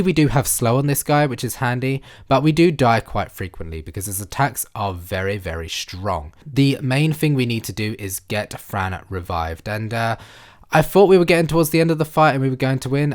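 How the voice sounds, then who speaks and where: A man's voice: medium pitch, a little fast. A man with a blocked nose from a cold, chatting casually as he narrates his gameplay as a game commentary voice-over. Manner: chatty, animated, self-narrating. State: congested, blocked nose from illness. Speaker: gaming YouTuber.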